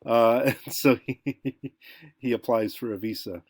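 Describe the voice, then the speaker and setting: A man's voice: mid-range voice, a little slow. An American man lectures in a loose, conversational manner, thinking aloud and wandering into asides. His voice sits in an ordinary middle range. The recording is dry, with no room echo. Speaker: college lecturer.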